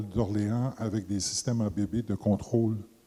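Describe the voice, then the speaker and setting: Speaking at a fairly slow pace with a Canadian French accent, a man uses a fairly low, dark, mellow voice in a monotone, flat delivery. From Canada. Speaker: business executive. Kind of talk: panel discussion. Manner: hesitant, many fillers.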